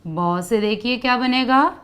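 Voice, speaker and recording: A woman whose voice is on the high side and a bit bright teaches children letter sounds in Hindi. Each sound is called out and stretched slowly for them to say back, and she asks many questions throughout.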